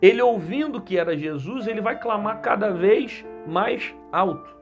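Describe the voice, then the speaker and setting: A man's voice: high-pitched, lively intonation, normal speed, dull audio. A man with a Brazilian Portuguese accent preaching a sermon as a pastor, exhorting earnestly and repeating his points. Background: guitar music.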